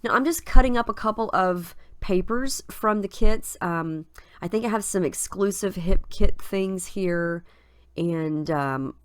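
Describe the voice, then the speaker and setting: A woman's voice: lowish voice, no room sound. A woman with a head cold, sounding scratchy and nasal, chatting casually as she narrates her scrapbooking process. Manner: chatty, relaxed, thinking aloud with fillers. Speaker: craft video host.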